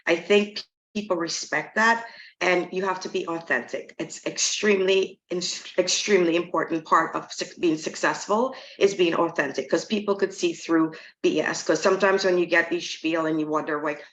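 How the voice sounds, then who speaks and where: A woman's voice: fairly low pitch, fairly even intonation, moderate pace, fairly bright tone, lo-fi sound. A woman in middle age from Trinidad, speaking frankly and conversationally as an interview guest. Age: middle-aged. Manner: frank, plainspoken. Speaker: interview guest, real estate agent.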